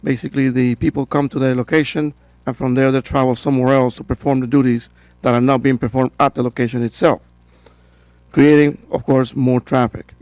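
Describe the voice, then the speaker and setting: Hoarse man presenting to a council. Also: mid-range voice, fairly quick, no room sound. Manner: steady and procedural, with frequent fillers. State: hoarse from a cold. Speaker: code enforcement director. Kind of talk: formal presentation at a town council meeting.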